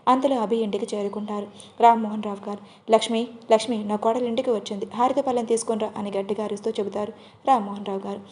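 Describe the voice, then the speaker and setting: A woman storyteller narrates a romance audiobook. She reads at a steady, even pace. Her voice sits at an ordinary middle pitch.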